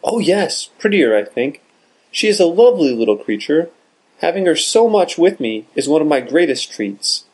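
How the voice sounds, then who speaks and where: A man doing a gentle bright-voiced invalid lady. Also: on the high side, very animated, moderate pace, husky, voice pushed up, poor audio. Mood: fond.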